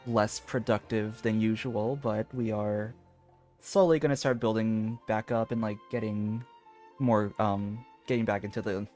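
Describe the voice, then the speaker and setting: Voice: mid-range voice, steady tone, measured pace, a little mellow. A game streamer chatting casually on a livestream while getting over a cold with a lingering cough. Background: faint game music.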